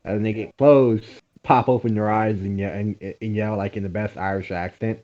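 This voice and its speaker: A man's voice: lowish voice, fairly even intonation, normal speed, warm tone. A young man hosting a reaction video, chatting loosely with profanity and jokes. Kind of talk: casual chat. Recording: dull lo-fi audio.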